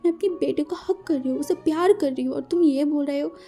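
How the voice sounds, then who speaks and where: A woman's voice: high-pitched, quick pace, dark tone, faint music behind, voice pushed up. A woman voicing a playful, doting young father who teases and coaxes his son. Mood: teasing. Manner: teasing, pleading, coaxing.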